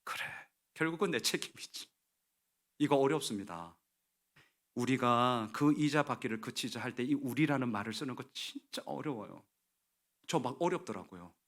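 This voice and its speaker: A male pastor giving a sermon in a dramatic, animated way, acting out quoted lines. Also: medium pitch, moderate pace.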